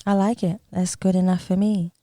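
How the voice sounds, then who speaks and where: A woman's voice: on the low side, little pitch movement, moderate pace, mellow, no room sound. A woman hosting a podcast, upbeat and effusive, thanking her guest often and asking long questions. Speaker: podcast host.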